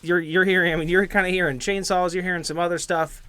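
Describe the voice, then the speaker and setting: A man narrating a tabletop game as its host and game master, improvising in a halting, hedging way. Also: sits high, fairly even intonation, fairly bright tone, smooth.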